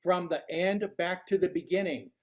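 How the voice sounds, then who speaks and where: An older man speaks to a club in a notably high voice. His delivery is deliberate and theatrical, built like a prepared workshop speech. The recording sounds muffled and low in fidelity. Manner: deliberate, showman-like delivery with rhetorical questions. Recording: dull, lo-fi sound.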